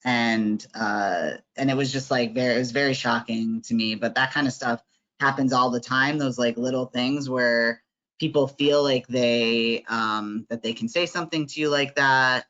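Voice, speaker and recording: A man's voice: mid-range voice, fairly even intonation, normal speed, pushed and bright, lo-fi sound. A man facilitating an online workshop, talking conversationally with lots of fillers and tag questions.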